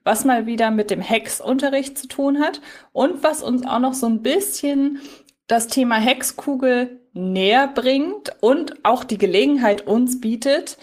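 Woman, slightly high voice, podcast host, wordy, conversational, explanatory. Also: measured pace, darkish tone. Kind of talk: conversational fan podcast discussion. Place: at home, on a remote link.

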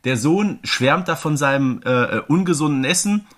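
A man's voice: on the high side, expressive, normal speed, fairly bright tone. A man co-hosting a podcast, chatting casually with gushing, fannish enthusiasm. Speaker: podcast co-host. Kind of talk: casual chat, analysing a radio play.

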